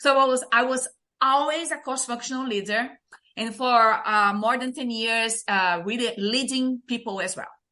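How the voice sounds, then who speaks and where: At a moderate pace, a woman with a Brazilian accent speaks in a bright, sharp tone at a high pitch. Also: ordinary pitch variation. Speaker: leadership trainer. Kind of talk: podcast interview. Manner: halting.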